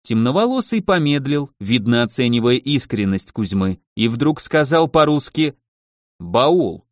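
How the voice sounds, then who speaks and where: A man's voice: mid-range voice, expressive, normal speed, no room sound, studio quality. A man narrating a crime novel as an audiobook reader, telling the story expressively. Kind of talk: scripted narration.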